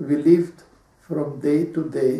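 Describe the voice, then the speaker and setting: Vocal fry runs through this man's fairly high voice, which moves at a very slow pace with ordinary pitch variation. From Zagreb, Croatia. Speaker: Holocaust survivor. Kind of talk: testimony narration.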